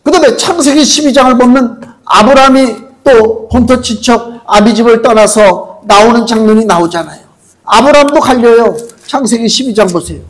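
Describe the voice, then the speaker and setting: A male pastor preaching a conversational sermon in a church, asking the congregation rhetorical questions and reading scripture slowly. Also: very high-pitched, poor audio. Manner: acts out quoted voices, reads scripture slowly. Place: church sanctuary.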